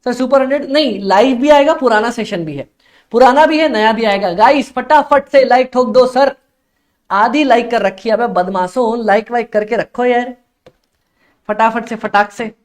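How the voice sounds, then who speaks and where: A young man teaching a live-streamed online exam class, energetic and coaxing, who keeps repeating phrases and reads chat comments aloud. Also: very high voice, moderate pace. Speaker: accountancy exam tutor.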